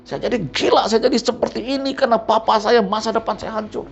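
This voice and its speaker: A man doing a bitter young woman's high cry. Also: fairly even intonation, quick pace, vocal fry, highs cut off. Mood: angry, bitter. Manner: shouting out grievances in a high strained voice.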